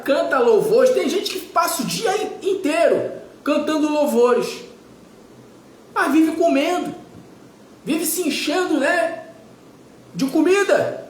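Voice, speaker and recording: A man's voice: very high voice, reverberant. A man in his forties preaching a sermon as pastor, emphatic and repetitive, firing off rhetorical questions. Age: 40s.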